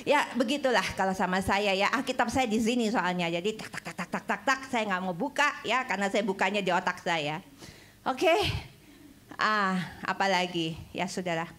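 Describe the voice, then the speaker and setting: A woman evangelist preaching a sermon in church, animated, rising to exclamations and mixing in English phrases. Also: mid-range voice, moderate pace.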